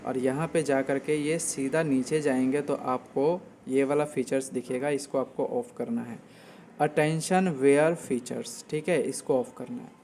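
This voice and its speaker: A man's voice: medium pitch, fairly even intonation, unhurried, a little mellow, slight background noise. A man explaining settings step by step in a casual tutorial style, often repeating himself as host.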